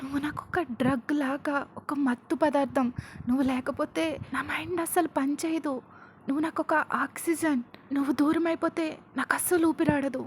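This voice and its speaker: A woman voicing an obsessive, unhinged young man who rants and shouts at his captive, in a narrated storybook. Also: sits high, fairly even intonation, moderate pace, a little hiss or hum, natural voice.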